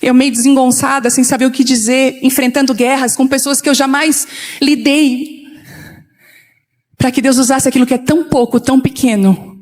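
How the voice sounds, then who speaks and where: A woman in her forties, a pastor from Brazil, preaching to her congregation in an animated, conversational way. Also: sits high, normal speed. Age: 40s. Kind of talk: sermon to a church congregation. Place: church hall. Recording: long reverb of a large hall.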